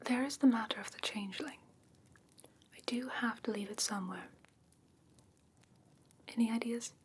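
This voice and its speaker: A woman playing a doting, slightly haughty fae creature in a soft, breathy ASMR whisper, gentle and genteel with coaxing endearments. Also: on the high side, moderate pace, slight background noise, lightly acted. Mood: gentle, pleased. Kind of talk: whispered ASMR fantasy roleplay.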